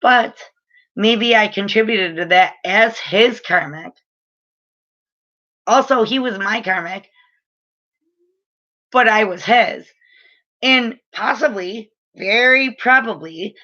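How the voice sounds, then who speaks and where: Woman, late 30s, spiritual reader, chatty and earnest, crisp bright tone, a bit muffled. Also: medium pitch, takes it slowly, long pauses. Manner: chatty, filler-heavy, earnest and frank. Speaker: spiritual reader and energy healer. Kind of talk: casual spiritual advice talk to camera.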